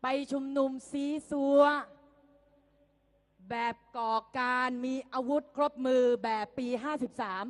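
A young woman, a student, giving an impassioned rally speech, often shouting and mocking her opponents while she rouses the crowd. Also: high-pitched, fairly even intonation, takes it slowly. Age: young adult. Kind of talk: fiery political rally speech.

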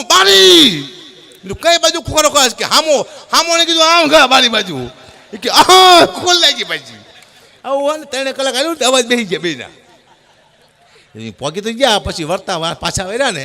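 A middle-aged man, an animated folk comedian telling stand-up jokes at a gathering and shouting his punchlines. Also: a little high.

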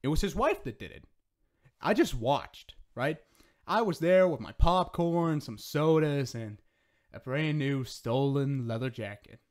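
A man's voice: a little high, lively intonation, unhurried. A man voicing a cheeky, flirty male demon in a casual, sardonic ASMR roleplay monologue, joking and swearing freely. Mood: amused, boastful.

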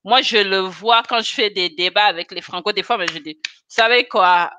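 A chemist and cosmetics consultant in her thirties appears as a guest in a video call interview, speaking animatedly and laughing a lot. Her mid-range voice has a sharp tone and normal speed. Captured by a webcam in a small indoor room, the sound is lo-fi with slight background noise.

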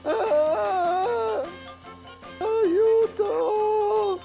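A woman's voice: very high voice, drawn-out words, vocal fry, dull audio, heavily acted. A woman voicing a whiny, easily frightened young schoolboy in a cartoon fandub, stammering and exclaiming. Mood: panicked. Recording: music behind the voice.

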